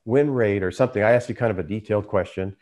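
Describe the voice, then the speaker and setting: A man's voice: fairly low pitch, fast, darkish tone. A man who hosts a trading channel, telling his story in a casual, conversational way. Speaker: trader and YouTube channel host.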